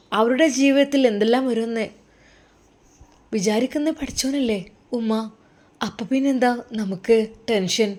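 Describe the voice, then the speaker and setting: A woman's voice: a little high, darkish tone, close to an everyday voice. A woman voicing a grieving but resolute young Muslim woman in a spoken story, earnest and pleading. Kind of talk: storybook voice acting.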